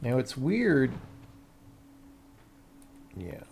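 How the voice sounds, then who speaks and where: A man's voice: mid-range voice, wildly swooping pitch, very slow, gravelly, darkish tone, a little hiss or hum. A man live-streaming game development, thinking aloud casually and muttering to himself in short fragments.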